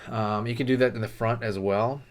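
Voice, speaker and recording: A man's voice: medium pitch, steady tone, a little fast. A man hosting a casual drawing tutorial, talking loosely with lots of fillers and friendly asides while he draws.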